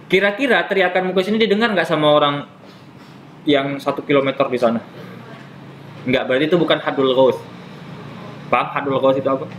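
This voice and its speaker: Man, casual religious teacher, highish voice, patient step-by-step explainer, teasing, faint room hum. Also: fairly bright tone, rough recording. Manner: explains step by step, repeats terms, teases students. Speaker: Islamic jurisprudence teacher. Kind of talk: casual classroom lesson. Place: classroom with students.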